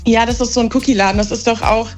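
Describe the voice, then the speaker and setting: A woman's voice: a little high, fairly even intonation, fast talker, faint music behind. A young woman calling in to a radio show, speaking hesitantly with many fillers. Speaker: caller. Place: Berlin.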